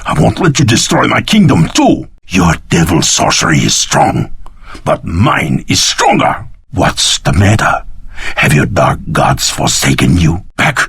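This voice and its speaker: An actor playing a vengeful, imperious sorcerer ruler in a fantasy video game, declaiming in a grandiose, theatrical manner. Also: male voice, low voice, huge pitch swings, measured pace, creaky, a bit bright, slightly rough, no echo, clean studio sound, exaggerated voice. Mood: vengeful fury.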